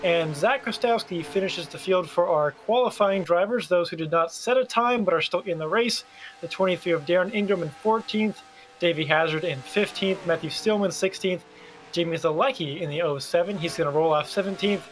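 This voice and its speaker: A man with a fairly high voice works as a race co-commentator, delivering broadcast-style commentary. Faint noise sits behind him. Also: moderate pace. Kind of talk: sports broadcast commentary, reading a starting lineup.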